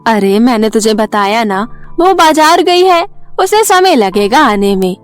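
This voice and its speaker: Brief: woman voicing a cartoon mother-in-law, evasive and excuse-making, fairly high voice, soft music behind. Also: very animated, measured pace. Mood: dismissive. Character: scheming, then proud, mother-in-law.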